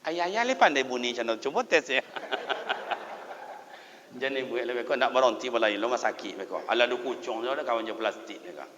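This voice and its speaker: A man with a Minangkabau Malay accent preaching a sermon, telling folksy stories and moving between loud exhortation and hushed tones. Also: medium pitch, moderate pace, long pauses, slight background noise. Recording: dull sound, long hall reverb.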